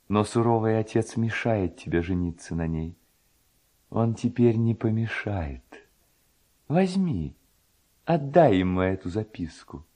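Guy reading as a soft-hearted ghost girl from a storybook, plaintive, solemn, mellow tone. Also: fairly low pitch. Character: gentle ghostly drowned young maidens playing a night game.

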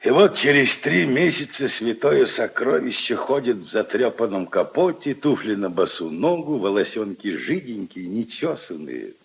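An actor playing an old retired general, a gruff but kindly grandfather figure who reminisces and grumbles wryly, in a 1950s radio play. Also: medium pitch, big pitch swings, moderate pace, hardly any pauses, heavily acted. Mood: mocking reminiscing. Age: older. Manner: wry, reminiscing, grumbling storyteller.

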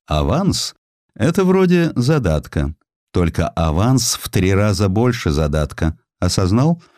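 Man playing a deep-voiced, grandiloquent Russian lawyer. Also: very animated, a little slow, darkish tone, no echo, clean studio sound. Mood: brusque, haggling. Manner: oratorical, declamatory, rhetorical. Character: shrewd, blunt, grandiloquent male lawyer of Tsarist Russia.

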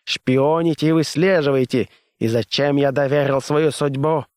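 A man's voice: medium pitch, steady tone, darkish tone, no room sound, clean studio sound, pitched above the performer's own voice, natural voice. A male audiobook reader voicing a furious, unhinged male scientist who roars his lines. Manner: roaring, raised and drawn-out.

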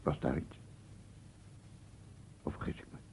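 An actor playing a brooding, solitary man musing to himself in a halting radio play monologue. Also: a little mellow, slight background noise, lightly acted. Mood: weary, musing. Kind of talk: Dutch radio play acting. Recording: muffled lo-fi old radio recording.

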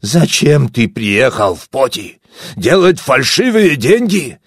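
Reader doing a cranky old man, hissing, slow, wheezy. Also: medium pitch, big pitch swings, slightly rough, no room sound, clean studio sound, pitched above the performer's own voice, heavily acted. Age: older. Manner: hissing, weary grumbling. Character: quarrelsome, good-natured old man, wheezing.

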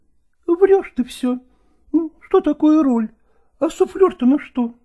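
A lovesick young actress in an audiobook, clingy and coaxing, her voice lifted high and swinging widely as she begs, as a male reader puts her on. The tone stays mellow and soft-edged underneath. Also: expressive, slow pace, heavily acted. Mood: teasing. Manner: pleading, tearful, coaxing. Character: young actress, pleading, clingy, passionately in love.

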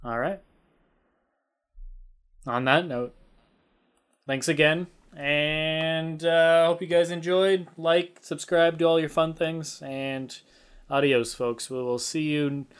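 A man's voice: a little high, fairly even intonation, slow, long pauses, clean tone. A young man hosting a gaming podcast, talking in a loose, rambling way with fillers and the odd swear. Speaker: podcast host. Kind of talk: casual gaming podcast chat.

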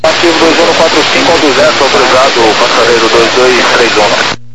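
A man's voice: mid-range voice, steady tone, fairly quick. A man speaking in clipped procedural aviation exchanges over a crackly radio that sounds military. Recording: very noisy crackly radio transmission.

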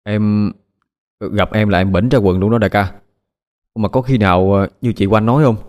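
A man's voice: fairly low pitch, fairly even intonation, moderate pace, a little mellow, natural voice. A man voicing an eager, deferential young henchman.

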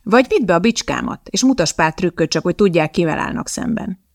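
An audiobook narrator voicing a blunt, sharp-tongued older woman neighbor with dry asides. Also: mid-range voice, expressive, vocal fry, no room sound.

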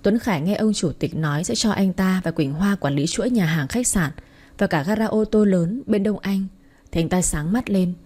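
A woman's voice: medium pitch, moderate pace, slightly rough. A woman narrating a family drama story, telling it steadily and with feeling. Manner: steady, emotional first-person telling.

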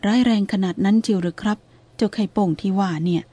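A woman's voice: medium pitch, fairly even intonation, fast, dark tone, lightly acted. A woman voicing a naive young male monk who speaks politely and earnestly to his teacher. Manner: polite, earnest, self-reproaching.

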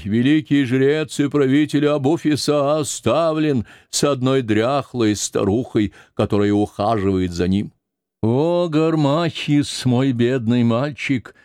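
A man reading an audiobook voices a grieving 86-year-old nurse who laments and scolds in a high, quavering voice. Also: a little mellow, no echo, studio quality. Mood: lamenting. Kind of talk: audiobook character voice.

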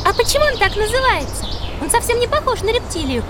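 A curious little girl who keeps asking questions. Her voice is very high and swings lively up and down. A steady noise sits behind her in this children's audio story. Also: quick pace. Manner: inquisitive, asks question after question. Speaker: child character in an audio encyclopedia. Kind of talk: scripted children's audio drama.

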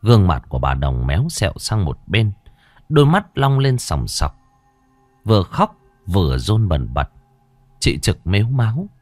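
Brief: deep, expressive male horror storyteller, suspenseful and measured. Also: no room sound, faint music behind. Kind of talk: ghost story narration.

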